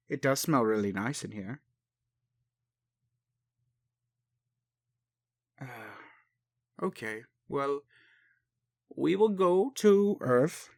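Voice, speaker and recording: A man playing a bemused, gentle and naive male alien caregiver in an intimate roleplay audio, speaking hesitantly and haltingly. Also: medium pitch, no room sound, clean studio sound. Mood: overwhelmed, appreciative. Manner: hesitant, puzzled, halting, sighing. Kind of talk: intimate one-sided roleplay audio acting.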